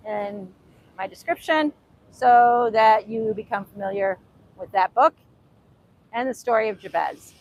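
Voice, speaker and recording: A woman's voice: a little high, measured pace, pauses often, darkish tone, low-quality recording. A woman with a Hungarian accent, whose first language is Hungarian, giving an earnest faith-based talk outdoors at a beach. She repeats herself often and overpronounces her words with care. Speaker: author and host. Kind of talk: motivational faith talk to camera.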